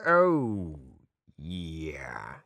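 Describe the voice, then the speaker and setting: A woman's voice: extremely low pitch, wildly swooping pitch, drawn-out words, a bit bright, no room sound, heavily acted. A woman voicing a mischievous, impatient male chimera spirit in a fan radio play, with a dramatic, wildly swinging delivery. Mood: grumbling.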